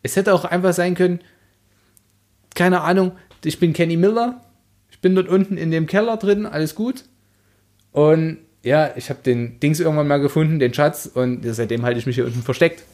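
A man's voice: on the high side, moderate pace, a little mellow. A man co-hosting a casual book discussion, speaking colloquially as an emphatic, exasperated critic. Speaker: podcast co-host.

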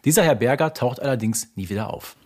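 Male podcast co-host, husky medium-pitched voice, conversational yet meticulous in explaining. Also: lively intonation, fast, darkish tone. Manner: detailed, precise explaining. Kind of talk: casual fan podcast chat.

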